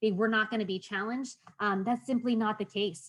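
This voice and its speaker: A woman speaks at a moderate pace in a somewhat breathy voice with a fairly high pitch. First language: Spanish. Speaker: state senator. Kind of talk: interview. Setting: video call.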